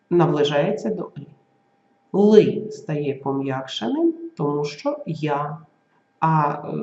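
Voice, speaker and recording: A teacher giving a school video lesson, spelling out example sounds and words slowly and carefully. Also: mid-range voice, dark tone. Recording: roomy, slightly dull recording.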